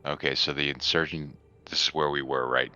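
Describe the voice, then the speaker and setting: A man's voice: rumbling low, little pitch movement, brisk, pushed and bright, dull audio. A man chatting casually as a player in a tabletop roleplaying game.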